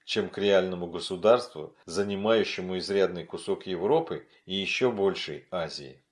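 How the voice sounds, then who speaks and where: A man reading an audiobook as its narrator, telling the story in an expressive way. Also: lowish voice.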